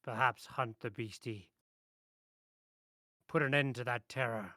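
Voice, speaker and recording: A man voicing a gruff old fisherman in a tabletop role-play, sentimental and haunted by his lost crew, talking in salty sailor phrases. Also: medium pitch, measured pace, bright, forceful tone, dry recording, clean studio sound. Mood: mournful, regretful. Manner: gruff old-sailor talk with matey and aye.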